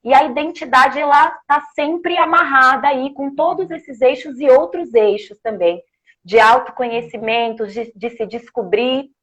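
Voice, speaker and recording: A woman hosting a live interview, thinking aloud with frequent pauses and restarts as she frames her questions. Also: sits high, fairly bright tone, dull audio. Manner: thinks aloud with many hesitations. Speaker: host.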